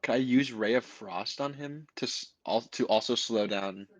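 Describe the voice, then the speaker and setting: A man's voice: medium pitch, moderate pace, rough recording. A young man playing a tabletop game, hesitantly thinking through his options and the rules aloud. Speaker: player. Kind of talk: casual tabletop play.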